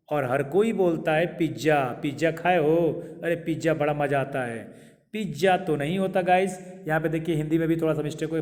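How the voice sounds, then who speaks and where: A man teaching English pronunciation to viewers, repeating each word slowly and quizzing them with questions. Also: on the high side, a little mellow. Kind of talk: pronunciation lesson to camera. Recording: long hall reverb.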